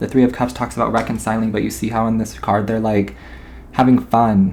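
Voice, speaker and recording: With noticeable background noise behind him, a man at a medium pitch rattles along at a very fast pace. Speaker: tarot reader. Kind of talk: tarot reading. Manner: loud; animated.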